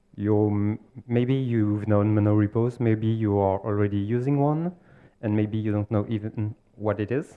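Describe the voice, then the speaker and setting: A man with a French accent, medium in pitch, at a fairly slow pace. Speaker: software developer, conference speaker. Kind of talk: conference talk.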